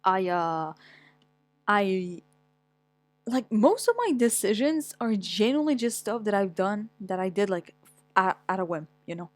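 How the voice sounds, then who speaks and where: A woman's voice: mid-range voice, big pitch swings, measured pace, no room sound, soft background music. A young woman from Morocco chatting casually as a vlogger, rambling and blunt, swearing often as she reads things aloud and reacts to them. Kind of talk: casual chat, reading aloud.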